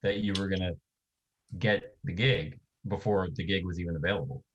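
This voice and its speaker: A man's voice: low voice, moderate pace, dull audio, a little hiss or hum. A man hosting a casual interview, asking his guest short questions. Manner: brief questions. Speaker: interview host.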